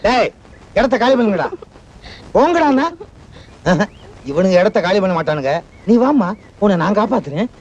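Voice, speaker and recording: A man's voice: sits high, very animated, moderate pace, pauses often, darkish tone, dull audio, exaggerated voice. An actor playing a bumbling, boastful village accountant man, with comic banter in a film scene. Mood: mocking. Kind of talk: 1980s Tamil film comedy acting. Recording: film soundtrack with music behind. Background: film music.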